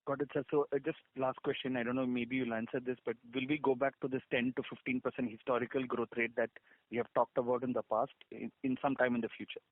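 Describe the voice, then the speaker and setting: Guy analyst, talks quick and flat, dry phone line, asking a question. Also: medium pitch, no room sound. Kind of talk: earnings call question. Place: phone conference call. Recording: dull, thin phone line.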